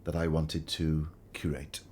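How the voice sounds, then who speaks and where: A man from the Valleys, a film director, speaking earnestly in an interview and pausing often to restart his thoughts. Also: a bass voice, little pitch movement, a little mellow, slight background noise. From Wales. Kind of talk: reflective interview talk.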